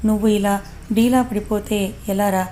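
A woman voicing a loyal male friend who gently scolds and reassures his grieving friend. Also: medium pitch, fairly even intonation, normal speed, slight background noise, natural voice. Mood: consoling.

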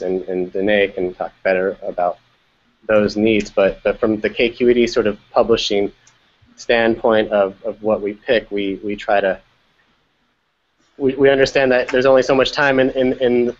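Man, education media producer, casual call chat; lowish voice, stop-start phrasing, muffled web audio. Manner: halting, restarts phrases often. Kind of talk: casual video-call discussion. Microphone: video call. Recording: dull lo-fi video call audio.

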